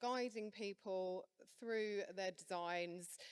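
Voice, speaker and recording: This woman's voice is loud, with ordinary pitch variation. She speaks at a fairly slow pace. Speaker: concept designer at a flooring company. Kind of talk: panel talk.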